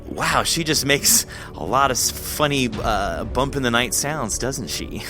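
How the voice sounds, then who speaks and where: A man's voice: mid-range voice, animated, measured pace, over music. A man hosting a podcast interview in a conversational, effusive and wordy manner.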